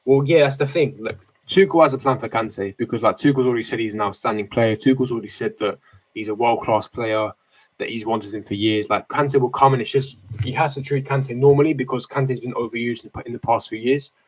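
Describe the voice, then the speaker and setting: A man's voice: medium pitch, brisk, rough recording. A man, chatting casually and giving slangy, opinionated answers to viewers on a livestream, repeating himself for emphasis. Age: 18, late teens. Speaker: football fan streamer. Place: small bedroom, indoors. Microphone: desk microphone close in front.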